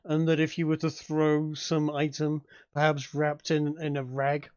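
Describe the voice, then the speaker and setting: A man narrating a tabletop game as game master, improvising in a halting way with repeated words. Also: fairly high pitch, monotone, darkish tone, clear, resonant tone, no echo, muffled recording.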